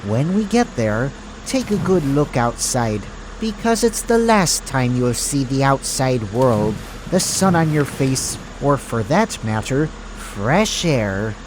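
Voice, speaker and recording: Over clear background noise, a genteel, sinister male crime boss speaks slowly , acted by a woman. His delivery is mock-polite and gloating, swinging theatrically in pitch as in a radio play. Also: very animated, full character voice. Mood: smug, menacing. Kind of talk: audio drama acting.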